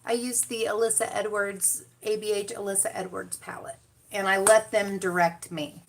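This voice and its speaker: A woman's voice: mid-range voice, steady tone, normal speed. A woman chatting casually with her viewers on a makeup livestream, talking straight to them. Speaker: beauty livestream host. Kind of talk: casual livestream chat while doing makeup.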